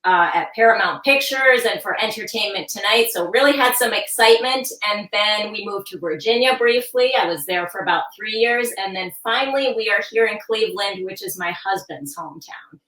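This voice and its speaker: A woman in her forties from New York's Hudson Valley, a guest author who sounds hoarse and groggy, telling her story in an upbeat, chatty way. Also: mid-range voice, moderate pace, hardly any pauses, bright, forceful tone, echoey room, far from the mic, low-quality recording. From Hudson Valley, New York. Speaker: children's book author, guest. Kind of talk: chatty interview answers.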